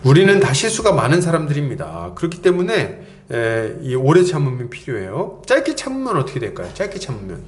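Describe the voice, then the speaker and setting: Male pastor, fairly high voice with wide, lively pitch swings, casual preaching. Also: brisk, hardly any pauses. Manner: conversational preaching, acts out quoted lines, chuckles often. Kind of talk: sermon.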